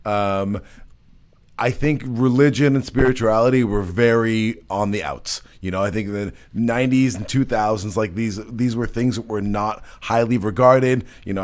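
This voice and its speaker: An American man in his thirties hosting a podcast interview, talking loosely and casually and now and then swearing. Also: fairly low pitch. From United States. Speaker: podcast host.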